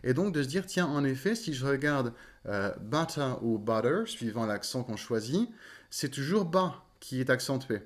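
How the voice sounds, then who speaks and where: A man, a voice coach, explaining in an interview and often pausing to search for words. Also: medium pitch, lively intonation. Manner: thoughtful, searching for words with many fillers. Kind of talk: interview conversation.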